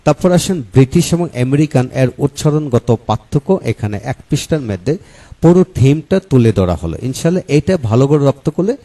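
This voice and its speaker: A male English teacher talks his viewers through a study book, chapter by chapter. His voice is mellow and warm, and he keeps a steady listing rhythm, calling his listeners friends. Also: medium pitch, a little fast. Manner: steady listing, repeated set phrases, frequent "ah" fillers.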